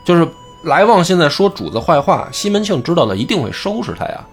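A man with a slightly high voice talks at a quick pace while hosting a casual show on a classic novel. Faint music plays underneath as he animatedly brings quoted characters to life.

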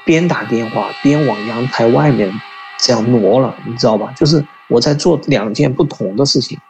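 A man calling in to tell a personal ghost story, talking in a halting, earnest way and often repeating words. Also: mid-range voice, darkish tone, faint music behind, low-quality recording. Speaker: caller.

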